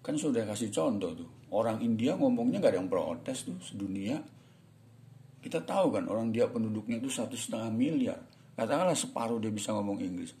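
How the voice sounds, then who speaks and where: A man's voice: fairly low pitch, animated, a little fast, dark tone. A middle-aged man, giving a casual, jokey spoken English lesson and mixing in example sentences. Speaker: English teacher.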